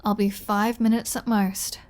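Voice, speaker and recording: A woman's voice: medium pitch, level tone, unhurried, darkish tone, natural voice. A woman voicing a flirty, sarcastic, defiant female vampire in a scripted ASMR audio roleplay. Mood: teasing, tender. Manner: sarcastic, teasing, playful.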